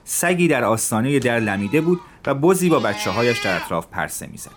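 Guy narrating an old story for teens, calm, medium pitch. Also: noisy background.

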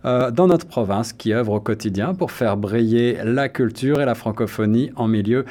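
A man's voice: medium pitch, moderate pace, mellow. A man hosting a radio interview in a studio, friendly, with frequent hesitations and restarts. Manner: friendly, many fillers and restarts. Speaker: radio host.

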